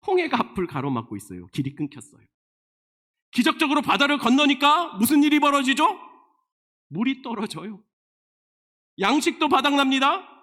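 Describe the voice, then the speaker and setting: A man who is a senior pastor, preaching a sermon emphatically with many rhetorical questions and frequent sudden drops to a low, quiet voice.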